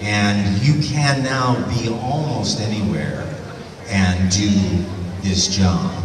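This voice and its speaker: A man with an American accent talks very slowly at a fairly low pitch with ordinary pitch variation and long, frequent pauses, amid noticeable background noise and audible room echo. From United States. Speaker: voice actor. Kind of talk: convention panel Q&A answer. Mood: reflective, light humor. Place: hall.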